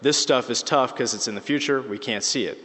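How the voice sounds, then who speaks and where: Priest with a bit of a scratchy voice, rambly easygoing homily, big echoey church. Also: male voice, medium pitch, fairly quick, pushed and bright. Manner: conversational, many fillers and restarts. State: slightly hoarse, losing his voice. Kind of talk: sermon. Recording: church mic with long reverb.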